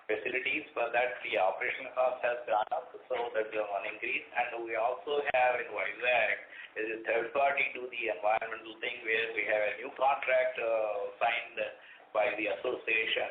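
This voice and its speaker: A man with an Indian accent answers as a company executive on an earnings call, speaking haltingly and repeating himself. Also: lowish voice. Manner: halting, repetitive. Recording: tinny phone line, roomy, faint noise.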